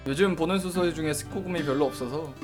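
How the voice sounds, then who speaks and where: A man's voice: fairly high pitch, fast talker, over music. A man streaming live, reasoning aloud about reviewing novels, often stopping to correct himself and answer chat. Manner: reads and answers viewer chat; says he doesn't use a dialect.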